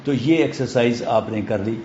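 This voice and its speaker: A man with a Pakistani accent teaching a phonics lesson, patiently explaining and reading English sentences slowly, word by word. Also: mid-range voice, darkish tone, slight background noise. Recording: roomy, dull lo-fi classroom recording.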